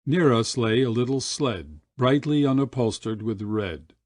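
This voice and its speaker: A man reads literary fiction as an audiobook narrator. His pace is slow and deliberate, with a medium-pitched voice in a dry, close recording. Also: expressive, a little mellow, dry recording. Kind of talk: literary short story narration.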